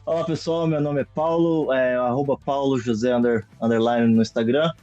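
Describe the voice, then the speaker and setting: A man's voice: mid-range voice, steady tone, moderate pace, a little mellow, no room sound, highs cut off, soft background music. A man from Brazil with a Brazilian accent, chatting casually and jokingly as a podcast guest. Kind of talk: casual chat.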